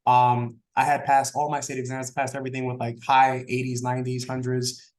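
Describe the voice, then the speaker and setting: A man, a Spanish speaker, talking as an interview guest in a relaxed, rambling way full of fillers. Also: medium pitch, fairly quick, roomy sound. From Brooklyn, New York. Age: 30s. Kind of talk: casual interview talk.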